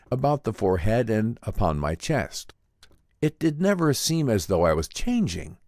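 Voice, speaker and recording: A man with a low voice narrates a classic science fiction tale in a theatrical, measured way. His pitch moves in lively swings, and the recording is close and dry. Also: dry recording. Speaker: audiobook narrator. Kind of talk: dramatic scripted narration of a vintage sci-fi story.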